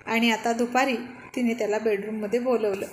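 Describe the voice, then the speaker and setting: Brief: female narrator, fairly high voice, steady story reading, faint hiss. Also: a little fast, low-quality recording. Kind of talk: narrating a serialized romance story.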